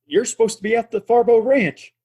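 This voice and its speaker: A man acting a gruff, stubborn saloon owner in a Western audio play, with a husky voice. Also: extremely high pitch, fairly quick, dark tone, exaggerated voice. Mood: stern.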